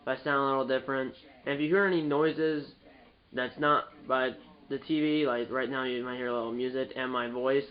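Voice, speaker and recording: A man's voice: mid-range voice, steady tone, a little fast, dull audio. Stuffed-up young man rambling over gameplay. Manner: rambling, restarts and fillers, self-correcting. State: stuffed up, nasal. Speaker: gaming channel host. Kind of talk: casual gameplay commentary.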